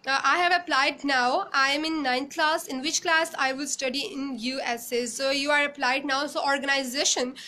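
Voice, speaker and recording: A woman's voice: high voice, steady tone, moderate pace, hardly any pauses, pushed and bright. A young woman from Pakistan with a Pakistani English accent, answering viewers' questions in a live Q&A session, mixing English and Urdu with many fillers and restarts, filmed on a phone at arm's length in a small room. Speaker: former exchange student answering questions. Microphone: phone camera at arm's length.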